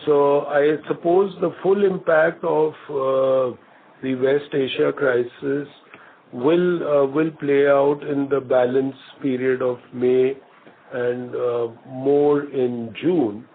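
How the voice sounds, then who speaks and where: An Indian man, a company executive, answering questions on an earnings call in a measured, formal, hesitant way with frequent pauses. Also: mid-range voice, steady tone. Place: conference call. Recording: muffled narrow phone line with some noise.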